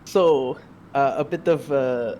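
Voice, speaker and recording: A man's voice: medium pitch, slow, mellow, a little hiss or hum. A man co-hosting a tabletop gaming podcast, reading out homebrew item rules with many fillers and self-corrections. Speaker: podcast co-host presenting homebrew. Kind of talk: casual chat and reading stat blocks.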